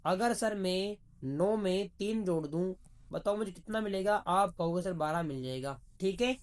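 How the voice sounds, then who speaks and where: A man teaching reasoning for an exam in a chatty way, asking questions and answering them himself. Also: high-pitched. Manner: chatty, calls students "bhaiya", asks and answers his own questions. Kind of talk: exam-prep video lesson.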